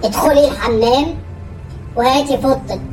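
A female-sounding voice, high-pitched, doing a put-on character voice at a fairly slow pace. Clear background noise sits behind her. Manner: curt, commanding.

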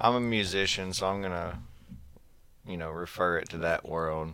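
The voice belongs to a man and is very deep and low. He speaks fairly slowly. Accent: American. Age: 20s. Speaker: podcast host and musician. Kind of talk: casual chat. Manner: halting.

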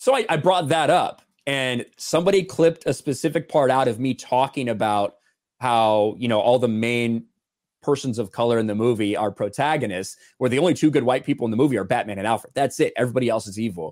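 In a very clean recording with a silent background, a man with an American accent talks very fast at a medium pitch with ordinary pitch variation. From US Midwest (Indiana). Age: 30s. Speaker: navy veteran and YouTube commentator. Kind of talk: interview.

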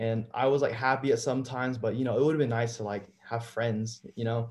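Delivery comes at a moderate pace. The tone is dark and mellow, with a somewhat breathy quality. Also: man. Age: young. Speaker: powerlifter. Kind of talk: casual chat.

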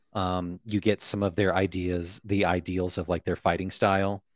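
The recording is dry and close with no echo, as a man with an unremarkable speaking voice and fairly low pitch talks at a fairly slow pace. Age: 30s. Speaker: podcast co-host. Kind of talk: casual chat.

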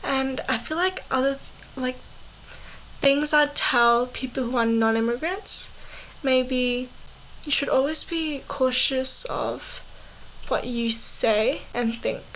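Against noticeable background noise, a woman with an Australian accent speaks very slowly in a high pitch, with ordinary pitch variation and long, frequent pauses. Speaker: podcast guest. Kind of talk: casual chat.

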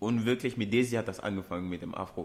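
A man with a Ghanaian accent talks at a moderate pace, keeping his intonation fairly even. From Togo. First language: Ewe (speaking German). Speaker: dancer and choreographer. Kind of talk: casual chat.

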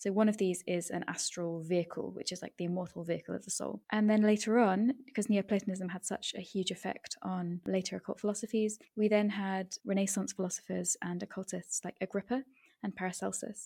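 A woman with a normal speaking voice talks at a fairly quick pace and medium pitch, using fairly even intonation and hardly any pauses.

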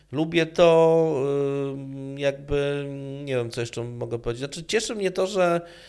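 With noticeable background noise, a man speaks fairly slowly at a fairly high pitch with ordinary pitch variation. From Poland, Sosnowiec (Zagłębie). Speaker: poet and musician. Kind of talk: casual interview.

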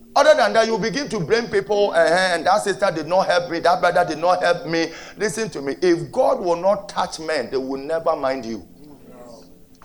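A man speaks in a high-pitched voice with lively intonation, an animated tone and big swings in loudness. Audible room echo and noticeable background noise surround him. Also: moderate pace. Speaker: pastor. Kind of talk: sermon. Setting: church. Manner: repetitive, emphatic.

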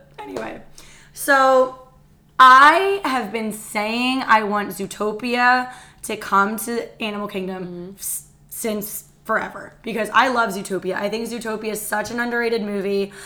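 Using an unremarkable speaking voice, a woman talks slowly-ish, at a fairly slow pace, with fairly high pitch and fairly even intonation. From US Northeast, South Jersey. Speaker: podcast co-host. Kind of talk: casual chat.

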